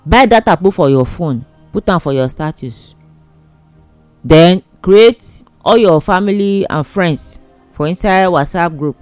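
Higher-voiced Nigerian man giving emphatic advice. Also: lively intonation, a little slow, a little mellow, no echo, faint music behind. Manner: emphatic, repetitive, plain-spoken. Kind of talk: casual advice monologue in Pidgin.

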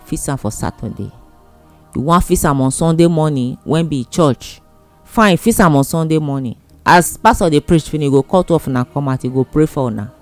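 A man's voice: on the high side, a little fast, soft background music. A man with a Nigerian accent giving casual advice in an emphatic, repetitive, plain-spoken way. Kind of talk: casual advice monologue in Pidgin.

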